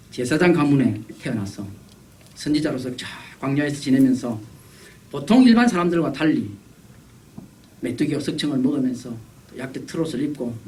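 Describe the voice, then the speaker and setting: A male guest pastor preaches a revival sermon, his fairly high voice swinging up and down. He acts out the voices he quotes. He is picked up by a mic some distance away in a church sanctuary. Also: darkish tone.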